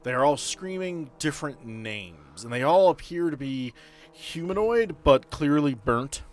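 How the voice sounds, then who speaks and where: A man running a tabletop game as game master, narrating scenes in a halting, improvised way. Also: fairly high pitch, expressive, faint music behind.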